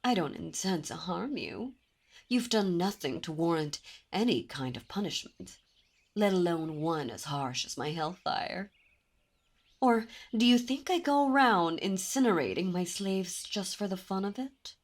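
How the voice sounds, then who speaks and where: A haughty demon princess, voiced by a woman, teasing and imperious as she draws her listener close. Her voice sits a little low and moves at an unhurried, slow pace. Faint birdsong drifts in the background. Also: lively intonation. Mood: amused. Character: haughty seductive female demon princess, commanding. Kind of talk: ASMR roleplay audio.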